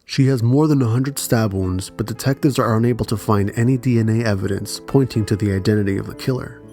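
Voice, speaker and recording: True crime narrator, male, lowish voice, measured and serious scripted delivery, music underneath. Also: dark tone.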